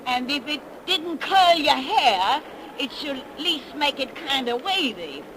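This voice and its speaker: A woman's voice: sits high, sing-song, a little slow, pushed and bright, full character voice, poor audio. A woman playing a cackling old witch who hosts a 1930s radio horror show, drawing out her words with relish. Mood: gleeful. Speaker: narrator host. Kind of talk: 1930s radio drama acting. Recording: hissy 1930s radio recording.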